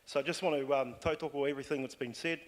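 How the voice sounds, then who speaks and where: A man's voice: mid-range voice, fairly even intonation, quick pace. Hesitant New man at a meeting. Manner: hesitant, many fillers and restarts. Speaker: Māori Council representative. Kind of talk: speaking at a community consultation.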